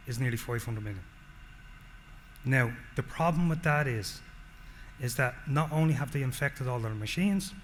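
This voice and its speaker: An Irish man giving a technical presentation, explaining step by step and often checking in with the audience. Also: mid-range voice. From Ireland. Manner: explanatory, frequent "okay?" check-ins. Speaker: solutions engineer presenting. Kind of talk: conference presentation. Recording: long hall reverb, faint noise.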